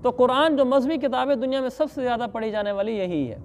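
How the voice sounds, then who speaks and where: A man giving a religious lesson on Quran commentary, reciting verses slowly and then explaining them plainly. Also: very high voice, a little mellow, long reverb tail, a little hiss or hum. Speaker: Islamic scholar teaching Quran commentary.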